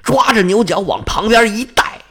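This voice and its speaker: A man's voice: high-pitched, expressive, moderate pace, pushed and bright. A male storyteller animatedly retelling a myth, full of vivid sound words. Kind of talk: oral storytelling of myths.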